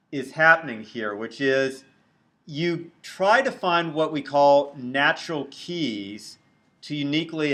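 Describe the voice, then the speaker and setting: A middle-aged man with a big, loud voice, giving a recorded university lecture while writing on a tablet, slow and deliberate. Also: mid-range voice. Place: at a computer, screen recording.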